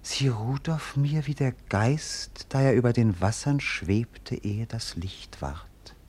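An actor playing a bored, melancholy young prince in a radio play, declaiming lyrically. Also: male voice, medium pitch, slow pace, a little mellow, husky. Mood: melancholy, rapt. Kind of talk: theatrical German radio play acting.

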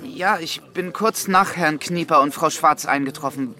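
An actor playing an evasive, slightly sheepish camp leader questioned as a witness, hesitant and wry, in a radio crime drama. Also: male voice, on the high side, normal speed, over music, lightly acted.

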